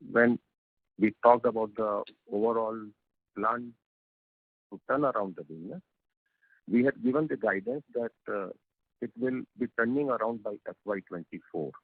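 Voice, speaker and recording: Deep, gravelly Indian man on phone line. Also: no room sound. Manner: hesitant, halting, measured. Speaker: company executive answering investor questions. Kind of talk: earnings call answer, explanatory. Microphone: telephone conference call. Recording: tinny, narrow phone conference line.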